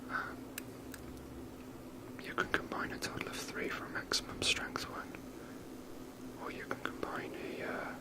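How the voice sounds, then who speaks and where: A person whispering softly and breathily in a casual, rambling ASMR commentary while playing a video game. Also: unhurried, long pauses.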